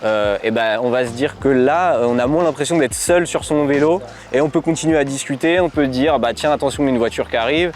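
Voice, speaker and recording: A man's voice: mid-range voice, a little fast. A man with a French accent giving a casual, conversational product review, explaining things as he goes. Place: outdoors on a cycling outing. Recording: clear outdoor ambient and traffic noise.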